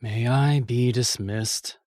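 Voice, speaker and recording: A gruff fantasy knight acted by a man with a mid-pitched voice and slow delivery. He sounds cynical and duty-worn, speaking in curt, sardonic phrases for an audio drama. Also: fairly even intonation, a little mellow, no room sound, studio quality. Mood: grudging, weary.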